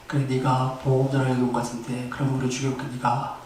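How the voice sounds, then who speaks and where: A man's voice: mid-range voice, monotone, fast, darkish tone, slight background noise, lightly acted. A man voicing a stern, threatening male tribal chief who fires blunt questions in a sermon story. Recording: echoey hall, distant mic.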